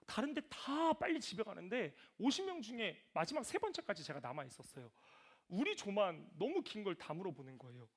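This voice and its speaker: A young adult man, a youth pastor, preaching a sermon in a conversational storytelling way, acting out quoted lines with sudden loud bursts. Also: sits high, big pitch swings, a little fast, husky. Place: church sanctuary.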